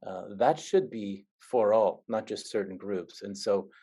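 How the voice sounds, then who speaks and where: A man's voice: fairly low pitch, warm tone. A man giving an earnest talk on refugees and disability at an online seminar, with frequent restarts. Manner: earnest, halting with repeated restarts. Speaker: seminar speaker. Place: online video call.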